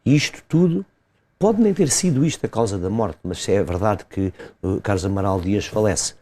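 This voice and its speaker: A man, a lawyer explaining a legal case step by step in an interview, pausing and hesitating often. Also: on the low side, expressive, dark tone. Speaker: lawyer commenting as guest.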